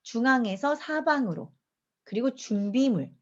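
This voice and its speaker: A mind map instructor with a fairly high, unhurried voice teaches an online lecture in a lively way, asking her audience questions as she goes. The class audio is dull and lo-fi.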